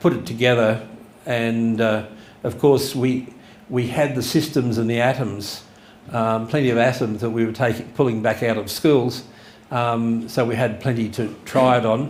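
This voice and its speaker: A man talks at a moderate pace and a medium pitch, his intonation flat and monotone. Room echo can be heard. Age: 70s. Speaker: computer engineer and author. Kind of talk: talk with Q&A. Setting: event talk with audience. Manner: hesitant with many fillers.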